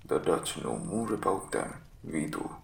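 A man voicing a gravely ill but masterful detective in a weak, breathy croak, giving clipped, imperious orders in a story reading. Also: deep voice, big pitch swings, unhurried, echoey room, far from the mic, voice pushed down, exaggerated voice. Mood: feverish, rasping. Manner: imperious, clipped commands with coughing.

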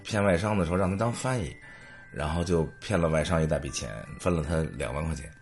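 Low-voiced man telling stories. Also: fast, a little hiss or hum. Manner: humorous, anecdotal, lively. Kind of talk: storytelling monologue.

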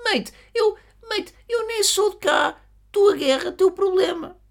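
A speaker doing a shrill, dismissive mock-Australian guardian. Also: expressive, slow pace, vocal fry, exaggerated voice. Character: dismissive high-voiced school guardian.

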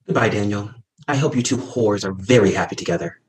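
A man's voice: lowish voice, fairly quick, close to an everyday voice. A man reading the part of a campy, dramatic young gay man who was just dumped, in a comedy script reading, profane and theatrical. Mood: sassy. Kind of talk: comedy script table read.

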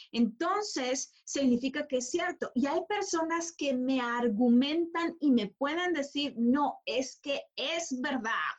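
A woman's voice: high-pitched, highs cut off. A woman giving a motivational coaching talk, emphatic and repeating phrases for stress.

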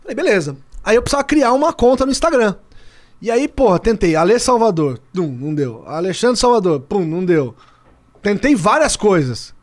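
Man, from Brazil, 30s, high-pitched, lively casual podcast storyteller. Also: moderate pace. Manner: lively storyteller, swears casually, acts out dialogue. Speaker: podcast guest, sports journalist.

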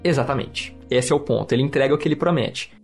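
A man's voice: medium pitch, quick pace. A man with a Brazilian Portuguese accent hosting a podcast in casual, slangy, enthusiastic review chat. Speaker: podcast host. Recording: music behind the voice.

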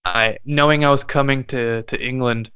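A young man from Canada whose first language is French, a musician guest speaking thoughtfully with many pauses and fillers. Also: mid-range voice, steady tone, sharp tone, clear, resonant tone, no echo, muffled recording. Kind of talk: casual interview chat.

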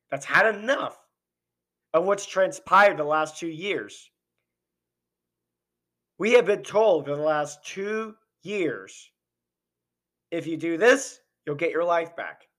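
A man delivers a heated solo commentary, firing off rhetorical questions in a voice pitched slightly above the usual male range. His voice is worn and hoarse because he is losing it. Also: lively intonation, slow pace, pauses often, fairly bright tone. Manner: impassioned, ranting, rhetorical questions. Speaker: podcast host. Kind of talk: opinionated political commentary monologue.

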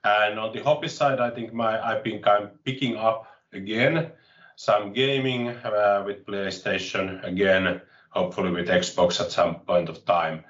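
A man in his late forties from Finland with a Finnish accent, chatting as an interview guest in a halting way, often restarting phrases, with wry self-mockery, heard over a video call. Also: on the low side, steady tone, a bit bright, echoey room, distant mic, lo-fi sound. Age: late 40s. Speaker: interview guest, tech consultant. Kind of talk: casual interview chat.

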